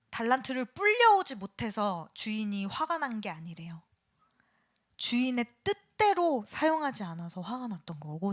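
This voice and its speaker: A middle-aged woman lecturing in a church classroom, asking the class questions and sometimes dropping to a whisper. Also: medium pitch. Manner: animated, asks the class questions, drops to a whisper at times. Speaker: seminary lecturer.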